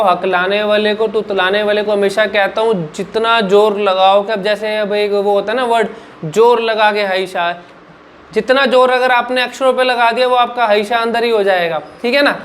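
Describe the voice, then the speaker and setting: A man coaching viewers on clear speaking, explaining in an emphatic way, asking himself rhetorical questions and answering them, and often checking in with the listener. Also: high voice, steady tone, moderate pace, hardly any pauses, fairly bright tone, a little hiss or hum. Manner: repeats "ठीक है ना" as a check-in. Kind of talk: instructional vlog talk.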